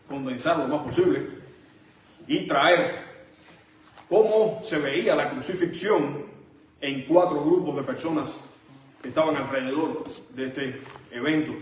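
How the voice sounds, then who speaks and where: A man preaching a sermon with a Puerto Rican accent, measured, pausing often and restarting phrases. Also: on the high side, slight background noise. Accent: Puerto Rican Spanish. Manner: measured, with frequent pauses and restarts. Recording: echoey hall, mic at a distance.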